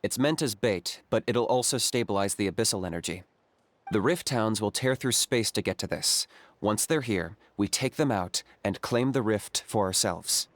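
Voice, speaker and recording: A man playing a calm, practical young tribal hunter in a video game, with a dry, matter-of-fact delivery. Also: lowish voice, moderate pace, close to an everyday voice. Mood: businesslike. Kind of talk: video game character acting. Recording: game music behind the voice.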